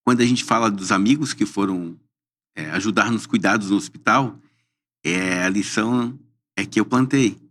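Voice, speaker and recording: A man, a podcast guest speaking in a measured, earnest way. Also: on the low side. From southern Brazil. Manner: measured, earnest, often says "perfeitamente". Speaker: interview guest. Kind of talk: interview chat.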